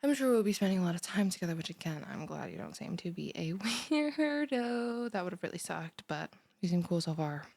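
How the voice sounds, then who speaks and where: A woman's voice: lowish voice, expressive, brisk, few pauses, darkish tone, no echo. A young woman playing a scatterbrained, chatty, bubbly student in a one-sided audio roleplay, rambling like a valley girl straight at the listener. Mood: rambling, breezy. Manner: rambling valley-girl chatter full of "like", sighs and breathy asides. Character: chatty, scatterbrained, over-caffeinated bimbo female college student, bubbly and blunt.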